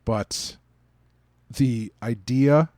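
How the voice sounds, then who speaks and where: A man's voice: medium pitch, drawn-out words, warm tone, dry recording, clean studio sound. A man co-hosting a podcast in casual conversation, telling rambling anecdotes with a wry touch. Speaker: podcast host.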